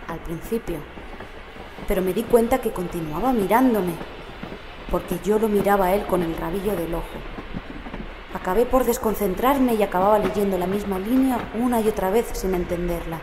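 A woman's voice: medium pitch, moderate pace, close to an everyday voice. A woman playing the uneasy narrator of a horror tale, reading in a dramatic first-person audiobook style. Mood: uneasy, measured. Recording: echoey, clear train ambience noise behind. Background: metro train ambience.

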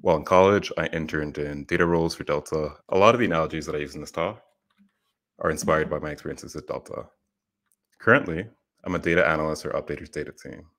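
Very deep-voiced young man presenting a talk. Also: quick pace. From Puerto Rico. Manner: earnest, steady explanatory delivery. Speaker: conference speaker. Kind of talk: prepared conference presentation. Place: small room at home. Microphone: headset.

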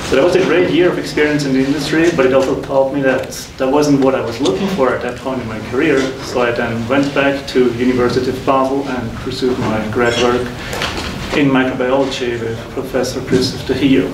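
A man in his thirties from Switzerland, a faculty guest recounting his career path in a measured, reflective way. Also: medium pitch, fairly even intonation. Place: lecture room with whiteboards. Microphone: room mic from a distance. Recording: echoey room, distant mic, noisy.

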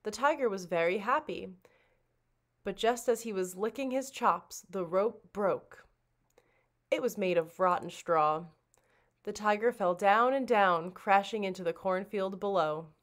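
A woman reading a children's storybook aloud like a librarian, with expressive, dramatic narration. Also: medium pitch, a little slow.

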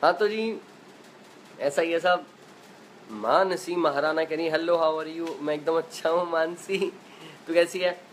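A man's voice: fairly high pitch, fairly even intonation, a little slow, pauses often, slight background noise, poor audio. A young man hosting a casual live chat from home, reading viewer comments into his phone and chatting back with easy laughs. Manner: chatty, laughs easily, uses filler 'matlab' and 'yaar'. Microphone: phone in selfie view.

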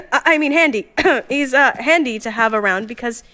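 Jules, a chatty, cheerful young woman organizing a time capsule team, is played by an actress who narrates the capsule recordings. The voice is fairly high, bright, and forceful, delivered at a normal speed, with a bubbly, talkative, flustered manner.

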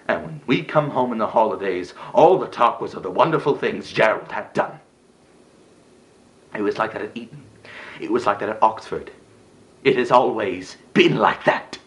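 A man performs a dramatic stage monologue as a bitter, jealous elder brother, sarcastic and emotional, shifting between hushed lines and outbursts. His fairly low voice is animated at normal speed, with a sullen mood.

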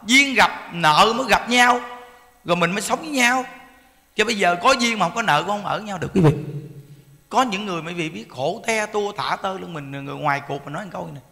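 A Buddhist monk preaches in a high, bright voice. He tells folksy, animated stories and acts out quoted voices. His words ring out with long hall reverb. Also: fairly quick, vocal fry. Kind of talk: sermon.

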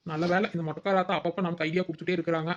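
In a cartoon comedy, a woman voices a young village daughter-in-law who is exasperated and scheming. She rattles off fretful muttered asides at great speed, her fairly low voice steady in tone and only lightly acted, in somewhat dull audio.

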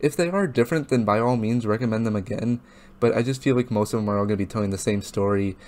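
Young man, low voice, chatting casually. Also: quick pace, a little mellow. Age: young adult. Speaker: reaction video host. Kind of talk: casual chat reacting to videos. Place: small room at home, indoors.

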